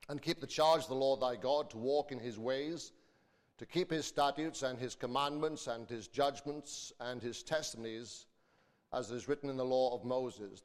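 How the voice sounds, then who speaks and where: A man's voice: mid-range voice, a little mellow. Male preacher in an echoing hall. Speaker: preacher and school teacher. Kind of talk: informal sermon, congregation quiz and scripture reading. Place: large reverberant church or hall. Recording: echoey hall with long reverb.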